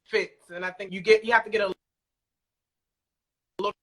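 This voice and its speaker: A woman's voice: mid-range voice, steady tone, normal speed, fairly bright tone. An American woman speaking as a podcast guest in a casual, informal, conversational way. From Alexandria, Virginia, United States. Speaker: podcast guest, audio drama creator. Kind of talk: casual chat.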